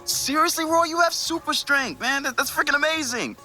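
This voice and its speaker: An actor playing an excitable, cocky young husband who goads his buddy in slangy bro talk, in an audio fiction podcast. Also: extremely high pitch, fairly quick, soft background music, heavily acted. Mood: excited, amazed.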